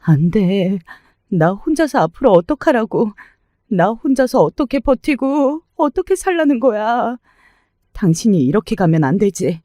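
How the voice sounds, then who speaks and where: A woman's voice: mid-range voice, big pitch swings, a little slow, mellow, dry recording, studio quality. A woman voicing a grief-stricken young widow, wailing and pleading. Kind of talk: storytelling drama.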